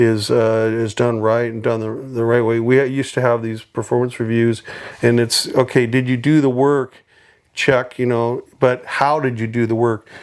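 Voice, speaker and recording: Flat and monotone, a man with an American accent speaks at a medium pitch and a moderate pace. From Oregon, US. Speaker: former shoe designer. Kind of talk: interview.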